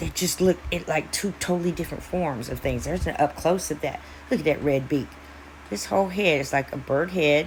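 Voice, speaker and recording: Noticeable background noise sits behind a woman's very deep, low pitch. She speaks at a fairly quick pace with ordinary pitch variation. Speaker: YouTuber on spiritual topics. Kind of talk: casual video commentary. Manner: loud.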